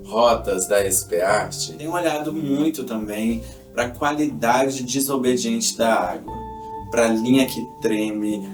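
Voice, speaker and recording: A man from central Brazil with a Brazilian accent, giving a poetically worded artist statement. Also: mid-range voice. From Goiânia, Brazil. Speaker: visual artist. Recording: echoey room, distant mic, music over. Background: music.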